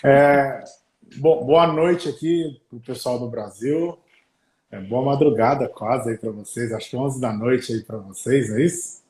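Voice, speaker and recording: A man's voice: medium pitch, a little slow, darkish tone, echoey room. A man in his thirties with a countryside São Paulo accent, chatting casually as a doctor on a live stream, friendly and rambling with lots of fillers. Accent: São Paulo countryside (caipira). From interior of São Paulo state, Brazil. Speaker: pulmonologist guest on a live stream. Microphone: headset.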